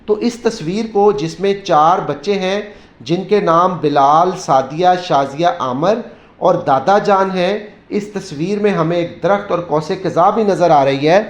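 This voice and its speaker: Man, teacher, step-by-step explanation, slightly high voice, roomy dull recording. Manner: explains step by step, repeating sentences slowly. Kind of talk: classroom lesson explanation. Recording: echoey room, dull lo-fi sound.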